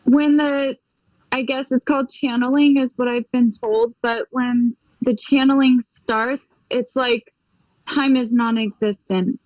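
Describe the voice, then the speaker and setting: Animated woman storyteller, slightly high voice. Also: measured pace, dry recording, lo-fi sound. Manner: vivid storyteller, acts out quoted dialogue, laughs often. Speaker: medium, interview guest.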